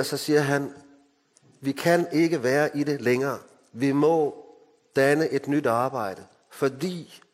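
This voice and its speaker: Danish preacher in a reverberant hall. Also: male voice, mid-range voice. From Denmark. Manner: emphatic, dropping to hushed solemn tones. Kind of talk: sermon. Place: mission hall.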